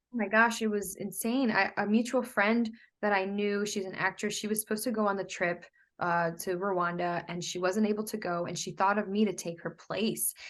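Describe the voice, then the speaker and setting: A woman's moderately paced speech, with fairly even intonation, sits over a quiet background. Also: medium pitch for a woman. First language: Portuguese. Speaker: actress. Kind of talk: interview. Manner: halting, many fillers.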